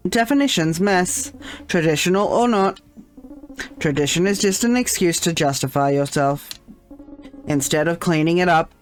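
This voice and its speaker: A player voicing Janitor Bot, a glitching robot janitor. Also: medium pitch. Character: fussy robot janitor, glitching, speaks of itself in third person. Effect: glitching robot voice repeating error. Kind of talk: reading game dialogue aloud.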